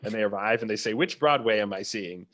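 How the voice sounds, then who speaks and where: A man's voice: on the low side, fast, fairly bright tone. A man speaking as a theatre producer in a conversational interview, opinionated and emphatic, repeating phrases to stress his point.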